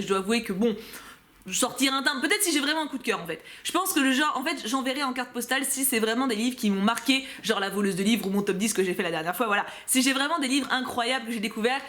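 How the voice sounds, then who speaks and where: A woman chatting casually as she unboxes a book subscription box, animated and prone to excited outbursts. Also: on the high side.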